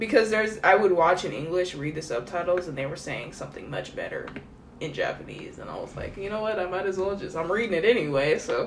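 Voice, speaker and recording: Speaking at a very fast pace, a woman uses lively intonation and big swings in loudness against noticeable background noise. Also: medium pitch for a woman. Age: 20s. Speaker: beginner language learner. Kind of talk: casual chat.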